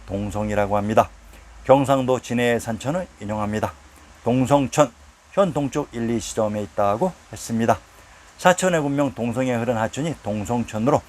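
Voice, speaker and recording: Man reading history in a measured voice. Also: mid-range voice. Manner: steady, measured reading of lists of place names. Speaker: history narrator. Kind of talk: scripted narration.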